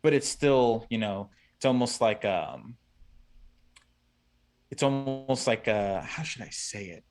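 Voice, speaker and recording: A man's voice: medium pitch, slow, pauses often, darkish tone. A man in his thirties talking earnestly as a podcast guest, rambling with many restarts. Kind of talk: casual chat.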